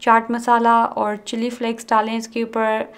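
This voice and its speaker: Woman w flavored walking thru a recipe, calm and steady, kinda high voice. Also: moderate pace, clear, resonant tone. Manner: calm step-by-step instruction, mixing in English words. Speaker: cooking channel host. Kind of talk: recipe voice-over narration.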